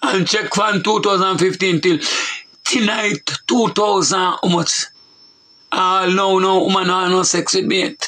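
At a very slow pace, a man raises and projects his high voice at a very even loudness over noticeable background noise. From Jamaica. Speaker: street preacher and talk show personality. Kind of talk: preaching talk show monologue. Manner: animated.

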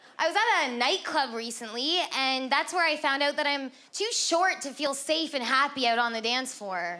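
Barely pausing, a woman projects a raised, high-pitched voice with lively intonation. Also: moderate pace. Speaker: stand-up comedian. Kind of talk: stand-up comedy set. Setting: stage with audience. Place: stage. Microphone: handheld.

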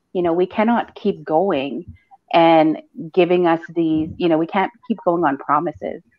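Against a quiet background, a woman with a Canadian accent speaks at a fairly low pitch with ordinary pitch variation and very even loudness. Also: fairly slow pace. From western Canada. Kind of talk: panel discussion. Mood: earnest, serious. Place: home room. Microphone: earbuds.

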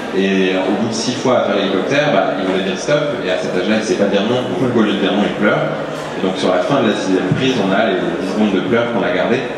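Over noticeable background noise and strong room echo, a man speaks very fast at a fairly low pitch. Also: ordinary pitch variation. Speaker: film director. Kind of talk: panel Q&A. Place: hall.

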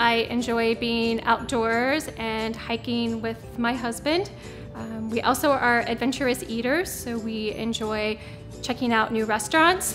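Clear music plays in the background as the speaker goes at a fairly slow pace with ordinary pitch variation. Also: woman, fairly high pitch for a woman. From Kentucky. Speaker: pediatric nurse practitioner. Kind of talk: clinician introduction video. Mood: warm, friendly. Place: studio.

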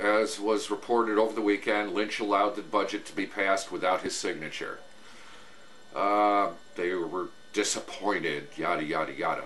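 Speaking with an American accent, a man with a fairly low voice keeps a moderate pace and fairly even intonation over light background noise. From US New England. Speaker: video blogger ranting about hospital. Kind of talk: angry rant. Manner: angry, sweary, sarcastic; rambling, off-the-cuff, stumbling over read-aloud documents. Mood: indignant, ranting. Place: home room. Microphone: webcam.

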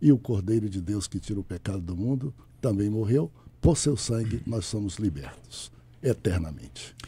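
Somewhat breathy and dark, mellow in tone, a man speaks at a moderate pace with a fairly low pitch and lively intonation. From northern Brazil. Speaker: pastor. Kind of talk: radio debate. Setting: radio studio. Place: studio.

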